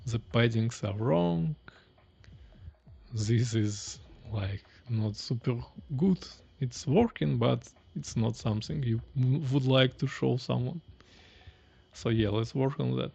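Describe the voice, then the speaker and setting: A man's voice: medium pitch, slow pace, vocal fry, darkish tone, slightly rough. A man, chatting casually while live-coding and thinking aloud on a stream from a small room. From Russia. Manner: thinking aloud, chatty, reading chat questions. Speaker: streamer, indie developer.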